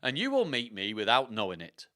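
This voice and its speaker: A man's voice: medium pitch, wildly swooping pitch, brisk, bright, forceful tone. A man voicing the restless ghost of a dead king in a theatrical put-on regional accent, telling his own storybook tale. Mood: brooding, wistful. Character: dead King Richard the third, dramatic rustic storytelling ghost. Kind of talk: first-person storybook narration.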